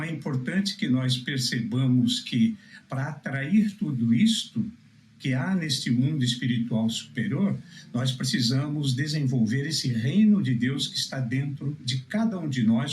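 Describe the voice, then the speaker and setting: A Brazilian man preaching in a didactic, measured way, expounding scripture with emphasis. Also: medium pitch. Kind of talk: religious teaching, scripture exposition. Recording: roomy echo, music behind.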